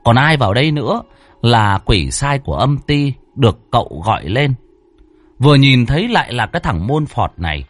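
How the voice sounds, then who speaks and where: A man telling a ghost story with drama and colour, his husky voice moving in lively rises and falls. Faint music plays under the telling. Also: mid-range voice, no room sound. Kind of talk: scripted ghost story narration.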